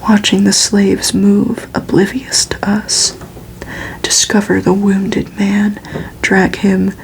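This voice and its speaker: A woman softly reading a novel aloud in a breathy, unvoiced ASMR whisper. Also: medium pitch, completely flat delivery, slight background noise, poor audio. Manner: slow, soft, unhurried delivery. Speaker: ASMR reader.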